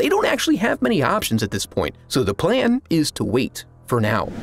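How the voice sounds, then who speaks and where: A man at a fairly quick clip, music in the background, the sound dry and close with no echo. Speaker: video narrator. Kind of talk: horror movie recap narration, scripted, sardonic.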